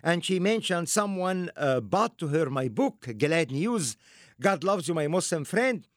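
A man's voice: a little high, animated, a little slow, dry recording, clean studio sound. A man preaching with fervor, an evangelist and author speaking in a sing-song style. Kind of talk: preaching and promoting his book.

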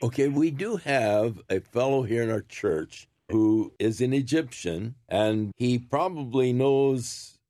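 A man from a church, hosting a talk show and recommending a book in a measured manner. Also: mid-range voice, mellow, no room sound, studio quality. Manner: slow, deliberate speech.

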